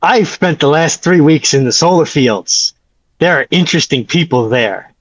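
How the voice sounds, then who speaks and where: A man chatting casually as a livestream guest, pausing between phrases, heard on dull, close call audio. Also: a little high, animated, no echo. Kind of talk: casual chat.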